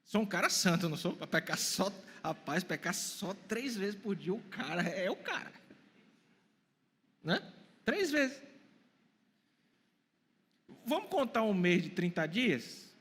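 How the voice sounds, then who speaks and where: A man in his forties preaching in a church. His high, lively voice leaps up and down as he poses questions to the congregation and answers them. A long reverb trails after his words. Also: slow, pauses often, slightly rough. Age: 40s. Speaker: pastor. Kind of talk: sermon. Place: church hall.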